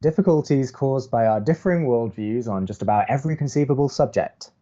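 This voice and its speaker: A man playing a reluctant college radio co-host in an audio romantic comedy, dry and exasperated, halting when flustered. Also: medium pitch, dark tone, dull audio, lightly acted. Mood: dry, weary.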